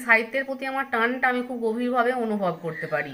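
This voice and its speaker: A woman with a high-pitched voice speaks in a bright, sharp tone, her pitch varying an ordinary amount. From West Bengal, Hooghly district. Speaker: writer and schoolteacher. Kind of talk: interview.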